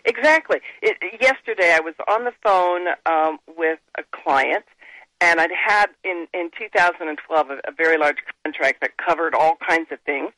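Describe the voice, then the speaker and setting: A woman guest on a radio show who explains business ideas earnestly, pausing and restarting her sentences. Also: deep voice, lively intonation, bright, forceful tone, no echo, low-quality recording. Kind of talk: casual radio interview.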